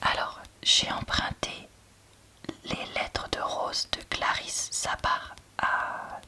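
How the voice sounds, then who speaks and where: A woman speaking in a soft, breathy library whisper, chatting casually and hesitantly in an ASMR book review. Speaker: book reviewer, host of a reading channel.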